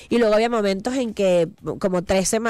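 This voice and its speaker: This woman talks with a Venezuelan accent. Her pitch is medium and her pace moderate. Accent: Venezuelan, kept. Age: 20s. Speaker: stand-up comedian. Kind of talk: casual chat.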